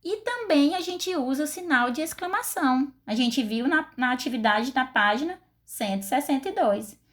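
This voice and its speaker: A woman teacher with a Brazilian Portuguese accent, giving a recorded class lesson and asking her pupils questions. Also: sits high. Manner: slow, deliberate, expressive with questions to pupils.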